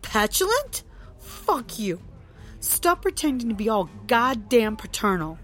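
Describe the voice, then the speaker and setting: A woman's voice: on the low side, unhurried, faint music behind. Woman playing Trixie, a sullen bitter daughter. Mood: furious. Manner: sullen, then sharp and scornful. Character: Trixie, bitter young woman defying her father.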